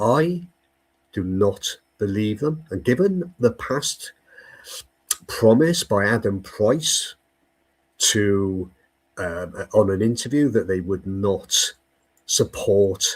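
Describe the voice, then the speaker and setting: Welsh guy, bit husky and lowish, stumbles over words but pushes his point hard. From Wales. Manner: emphatic, with frequent stumbling repetitions. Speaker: guest commentator. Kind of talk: political discussion.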